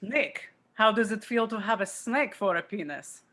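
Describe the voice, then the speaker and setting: Female reader as male vampire prankster: deadpan, smug, mid-pitched, script read on a home video call. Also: normal speed. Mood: smug, teasing. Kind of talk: table read of a film script.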